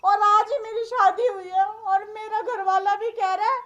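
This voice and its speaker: A cheeky new bride in a cartoon trades barbs with her mother-in-law in a very high, bright voice, voiced by a woman. She is combative and quick to talk back. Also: highs cut off. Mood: tearful. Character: sharp-tongued new bride.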